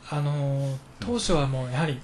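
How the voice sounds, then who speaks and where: Male reporter guest, hesitant, lots of fillers, measured mid voice, faint background hiss. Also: mid-range voice, darkish tone. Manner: halting, many fillers and restarts. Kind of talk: recounting field reporting in conversation.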